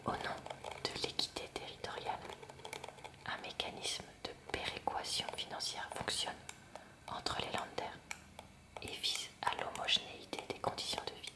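A woman reading a school lesson aloud in a soft, unvoiced ASMR whisper, slow and careful. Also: distant mic. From France. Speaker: ASMR creator. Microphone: close mic near hairbrush on a table.

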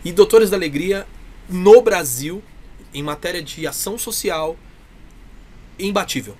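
A man's voice: high-pitched, unhurried, darkish tone. A man with a Brazilian accent chatting casually and effusively as an interview guest. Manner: effusive, talkative. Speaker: interview guest, clown performer. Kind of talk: casual chat. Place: indoors, small room with cloth backdrop.

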